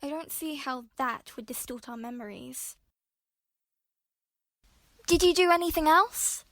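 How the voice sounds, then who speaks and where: A woman's voice: high-pitched, a little slow, fairly bright tone, no echo, studio quality. A woman playing a confused, musing young woman in an amateur audio drama.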